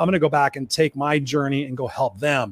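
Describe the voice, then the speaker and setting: A man speaks very fast with a fairly high pitch. The sound is dry and close, with no echo. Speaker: podcast co-host. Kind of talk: casual chat. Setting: video call.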